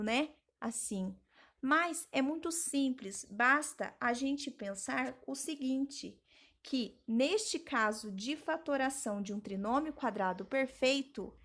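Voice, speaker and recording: A young woman teaching a math lesson as an intern, patiently explaining each step and talking straight to her students. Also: fairly high pitch. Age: young adult.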